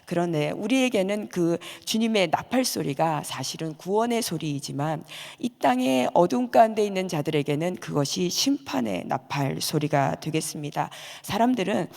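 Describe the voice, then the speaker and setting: A woman pastor preaching a dawn sermon and leading prayer in an earnest, measured way. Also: on the low side, animated, creaky, a little mellow. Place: church sanctuary. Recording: long reverb of a church hall.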